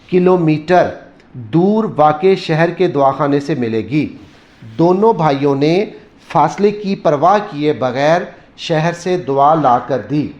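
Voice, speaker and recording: A male teacher explaining a grammar lesson step by step, repeating example sentences slowly. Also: fairly high pitch. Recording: echoey room, dull lo-fi sound.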